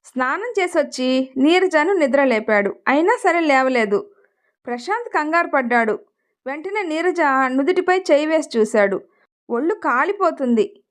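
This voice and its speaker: High-voiced woman telling a family story. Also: animated, normal speed. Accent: Telugu. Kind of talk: storytelling narration with acted dialogue.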